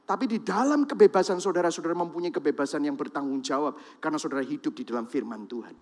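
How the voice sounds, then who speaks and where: A pastor preaching with a Javanese-influenced accent, his voice high and bright for a man. He speaks straight to the congregation and slips into the voices of the people he describes. A long reverb from the big church hall trails each phrase. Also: fast talker. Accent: Javanese-influenced Indonesian. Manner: lively, talks to the congregation directly, acts out quoted voices. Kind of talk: sermon.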